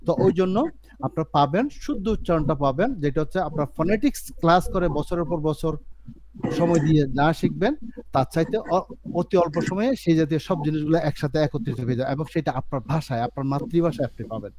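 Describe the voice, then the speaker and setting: A man's voice: fairly high pitch, fairly quick, noisy background. A man teaching an English course on a video call, explaining earnestly and repeating himself, with frequent restarts. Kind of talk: online class lecture.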